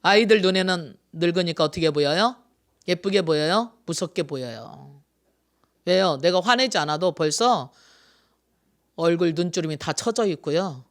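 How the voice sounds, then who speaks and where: Preaching on a Sunday at normal speed, this pastor in their sixties has a medium pitch and lively intonation. Rhetorical questions go out to the congregation, phrases get repeated, and loud emphatic moments give way to quiet asides.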